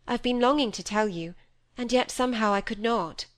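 A woman's voice: a little high, moderate pace, voice pushed up, lightly acted. A woman voicing a proud, impatient young woman who speaks sharply and curtly. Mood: rueful. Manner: sharp, curt.

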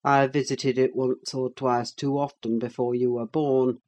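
A woman voicing a bitter, scornful middle-aged landowner in an audiobook, speaking in a gruff, contemptuous way. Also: a bass voice, little pitch movement, unhurried, warm tone, pitched below the performer's own voice. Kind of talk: audiobook character voice.

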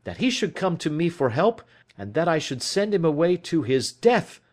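Sharp brisk Holmes type detective, a male reader putting him on, raised and ringing, very lively lilt. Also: fairly high pitch, voice pushed up. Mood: wounded pride. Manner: crisp, emphatic, declamatory. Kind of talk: audiobook character reading.

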